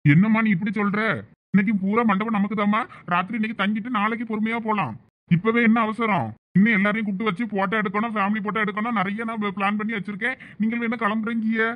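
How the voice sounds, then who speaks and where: A man's voice: high-pitched, steady tone, fast, phone-quality sound, natural voice. A man voicing a flustered young village husband in a comic cartoon family drama, with a Thoothukudi Tamil accent and a pleading, coaxing manner. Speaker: cartoon voice actor.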